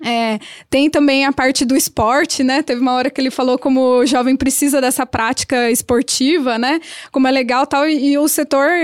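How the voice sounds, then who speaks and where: In a dry, close sound with no echo, a woman speaks at a moderate pace in a high pitch with fairly even intonation. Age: 20s. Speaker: youth ministry coordinator. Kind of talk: casual discussion. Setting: recording at a college.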